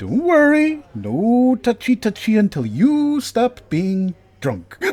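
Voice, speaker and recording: A man's put-on character voice, pitched extremely high, with very wide pitch swings, a fairly slow pace and a dry, close sound with no echo. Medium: audio drama. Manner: giddy, clingy, repetitive.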